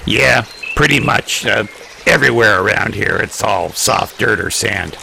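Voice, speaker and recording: A man's voice: on the low side, animated, unhurried, gravelly, sharp tone, full character voice. A man acting as a folksy, cooperative sheriff in an audio drama, plain-spoken and easygoing. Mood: agreeable. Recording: noisy ambience behind audio drama dialogue.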